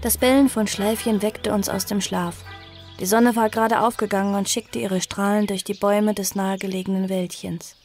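A woman's voice: mid-range voice, steady tone, moderate pace, darkish tone, natural voice. Woman playing a young female survivor narrating over music. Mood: measured, wistful. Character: young woman survivor recalling her flight, sorrowful, earnest. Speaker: narrator and protagonist. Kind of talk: audio drama first-person narration.

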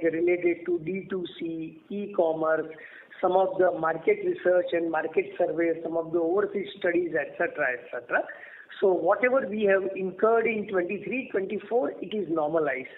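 A man, a finance executive explaining figures on an earnings call. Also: high-pitched. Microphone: conference phone call. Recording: tinny noisy phone line.

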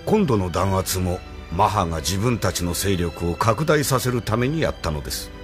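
An actor playing a loyal rebel admiral who speaks politely and proudly in a radio drama. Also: male voice, deep voice, expressive, moderate pace, over music. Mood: earnest. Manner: polite, deferential yet proud. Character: loyal middle-aged male rebel admiral, earnest.

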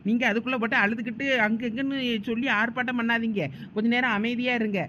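A woman acting a bossy neighbour who firmly calms a friend in a comedy skit. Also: on the high side, fast talker, lo-fi sound, a little hiss or hum, lightly acted. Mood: scolding. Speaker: skit actor playing a neighbour.

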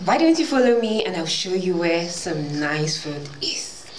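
A woman's voice: fairly low pitch, sing-song, unhurried. Woman acting a sly wild cat, echoey. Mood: teasing. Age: young adult. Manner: mock-sympathetic, teasing. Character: sly, teasing, bouncy serval wild cat. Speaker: amateur actor in an audio drama. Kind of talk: scripted live audio-drama reading. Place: large wood-panelled conference hall, indoors. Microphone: microphone on a stand, filmed by camera. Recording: echoey hall, faint background noise.

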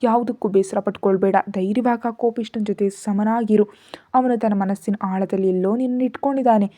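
Woman doing a caring older brother, gentle, soothing, soft mellow tone. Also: medium pitch, fairly even intonation, fairly quick, close to an everyday voice. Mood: consoling. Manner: soothing, consoling.

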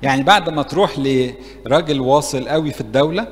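A man's voice: medium pitch, fast, in a large hall. A man with an Egyptian Arabic accent preaching a sermon to young people, asking them questions and acting out prayers. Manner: lively, asks the audience questions and acts out prayers. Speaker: priest preaching to university youth. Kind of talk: interactive sermon. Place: church meeting hall.

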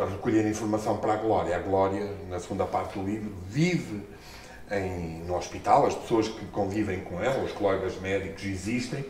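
Middle-aged man, European Portuguese accent, animated storyteller with big jumps in pitch; low voice, camera mic far off in an echoey room. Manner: expressive, gestures and laughs often, jumps in pitch when excited. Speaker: book author. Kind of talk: animated storytelling at a book launch. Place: small stone-walled room, indoors.

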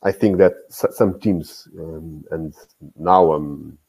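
A man in his forties, a guest football coach, talking in a casual interview over a video call. His speech is halting, full of restarts and repeated words. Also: a bass voice, fairly even intonation, a little mellow, breathy edge. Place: small indoor room. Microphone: video call, earphones with mic.

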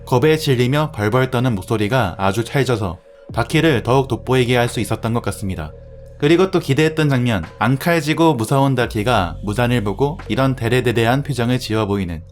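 A man with a mid-pitched voice narrates an anime review from a script. Music plays clearly behind his voice throughout.

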